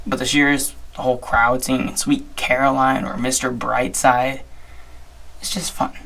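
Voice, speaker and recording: A young man hosting his own podcast, his voice hoarse and strained. The tone is gravelly with plenty of fry. He talks in a chatty, upbeat way and often restarts his sentences. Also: mid-range voice, fairly bright tone, low-quality recording. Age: young adult. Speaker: podcast host. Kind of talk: casual solo sports talk.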